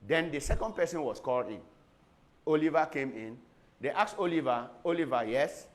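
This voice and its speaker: Earnest lawyer, higher male voice. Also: animated. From Cameroon. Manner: earnest, measured retelling with repeated phrases. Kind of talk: recounting events in an interview.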